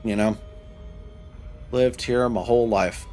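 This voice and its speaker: A man's voice: mid-range voice, steady tone, slow pace, darkish tone, soft background music. A man in his thirties, a streamer from Michigan, chatting casually with viewers while gaming, rambling and restarting his sentences. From Michigan, United States. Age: 30s. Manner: rambling, restarts often, reads and answers chat.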